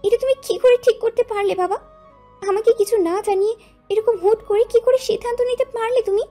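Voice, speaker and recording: A woman playing an indignant, defiant young daughter in an audio story, shouting in protest. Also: extremely high pitch, steady tone, brisk, faint music behind. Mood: outraged, shouting. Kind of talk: dramatised audio story dialogue.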